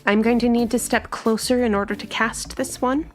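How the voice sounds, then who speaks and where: A woman's voice: a little high, steady tone, moderate pace, faint music behind. A woman narrating her character's actions as a player in a tabletop roleplaying game.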